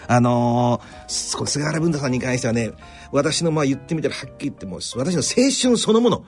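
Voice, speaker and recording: Lively fast-talking man from Kanto. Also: medium pitch, soft background music. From Kanto, Japan. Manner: animated storytelling with many fillers. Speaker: radio interviewer. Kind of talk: casual radio talk.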